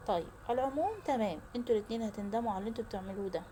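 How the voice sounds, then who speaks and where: A woman's voice: mid-range voice, rapid-fire, mellow, slight background noise, natural voice. A woman voicing an angry, mocking grown son with an Egyptian accent, harsh and accusing. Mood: angry, threatening.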